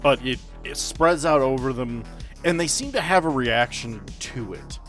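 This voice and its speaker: A man's voice: medium pitch, normal speed, a bit bright. A man narrating a tabletop roleplaying game as game master, with music behind him. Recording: background music under the voice.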